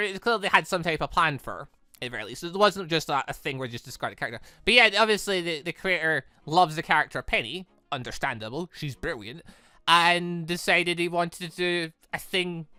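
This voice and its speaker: A gaming video host rambling casually and excitably through fan opinions while commentating on a game. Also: mid-range voice, dry recording.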